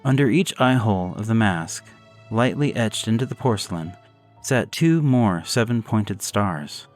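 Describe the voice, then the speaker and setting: A man with a fairly low voice reads a gothic horror story in measured, deliberate narration. Faint music plays underneath him. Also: expressive.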